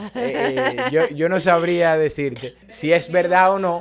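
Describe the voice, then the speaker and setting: Over noticeable background noise, a man with a strong Dominican accent talks at a fairly slow pace in a high voice with lively intonation. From Dominican Republic. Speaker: podcast host. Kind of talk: interview conversation.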